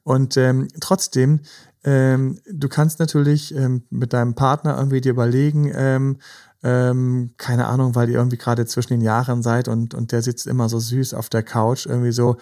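Gravelly, mellow-voiced male podcast host. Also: mid-range voice, level tone, normal speed. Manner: gentle, advising, many fillers. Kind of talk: casual podcast chat about relationships.

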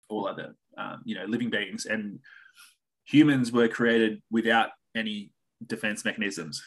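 A man's voice: mid-range voice, a bit bright, breathy edge, low-quality recording. A man with an Australian accent, a podcast guest talking in a reflective, philosophical way and swearing casually. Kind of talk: casual chat.

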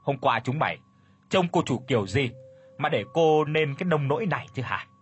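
A man's voice: mid-range voice, expressive, normal speed, faint music behind, lightly acted. A man voicing a brutal older landlord who curses and bellows at his servants. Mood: furious. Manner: bellowing, cursing.

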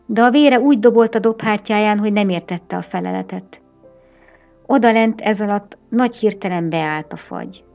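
A woman reading a children's story aloud in a gentle, unhurried bedtime manner, softly giving the animals their lines. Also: fairly low pitch, gravelly.

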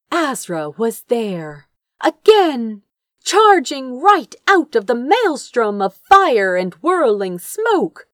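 A woman's voice: on the high side, dry recording, studio quality. A woman reading a fantasy story aloud as narrator, with theatrical, suspenseful delivery. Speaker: fan fiction narrator.

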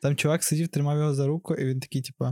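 A man's voice: a little high, steady tone, very fast, dark tone, no room sound, clean studio sound. A young man, co-hosting a casual film podcast, rambling with lots of fillers and laughs. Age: young adult. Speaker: podcast co-host.

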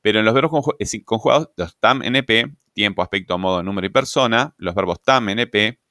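Guy teaching grammar, lowish clear voice, dry close mic, lots of "este" and "verdad". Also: fairly quick, sharp tone, dry recording. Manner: explanatory, asks rhetorical questions, frequent "¿verdad?" and "este" fillers. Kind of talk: recorded grammar lecture.

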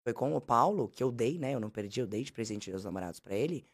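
A woman with a Brazilian Portuguese accent, telling blunt, animated, slangy stories as a podcast guest. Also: rumbling low, fast talker, breathy edge. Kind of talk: casual storytelling.

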